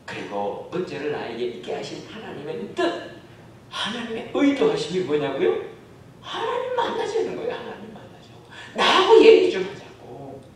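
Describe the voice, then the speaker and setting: A man preaching a sermon to his congregation, often asking them questions. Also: moderate pace. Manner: asks the congregation questions, animated. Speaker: pastor. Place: church sanctuary. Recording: very echoey hall, mic far off, faint rumble.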